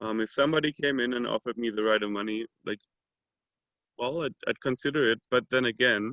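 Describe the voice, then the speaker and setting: Here a man speaks very fast in a German accent. His medium-pitched voice keeps a fairly even intonation. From Germany, Alpine foothills. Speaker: brewery founder. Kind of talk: podcast interview.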